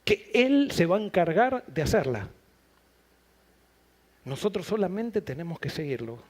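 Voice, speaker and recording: A man with a high voice preaching a sermon. He builds his points through repeated phrases and rising emphasis, and he also slows into quieter, reflective stretches. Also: very animated. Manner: quieter, reflective and slow in the closing appeal.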